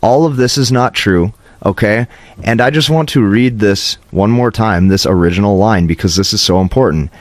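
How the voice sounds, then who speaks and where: This host, a dating coach, has a lowish voice and speaks at normal speed with no room sound. He addresses the camera in a motivational, emphatic, instructive monologue, often pausing to say "okay".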